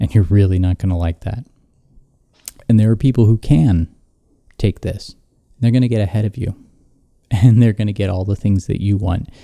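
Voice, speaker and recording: A man's quiet, fairly low voice with a dark, mellow tone and ordinary pitch variation, dry and close with no echo. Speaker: podcast host and indie filmmaker. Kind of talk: casual solo podcast monologue. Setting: home at midnight. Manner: quiet, low voice; hesitant, many fillers.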